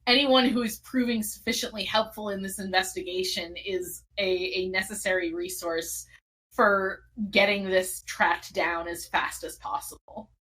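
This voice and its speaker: A woman's voice: mid-range voice, fairly even intonation, a little slow, a bit bright. A woman playing in a tabletop role-playing game, chatting casually and hesitantly. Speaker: player.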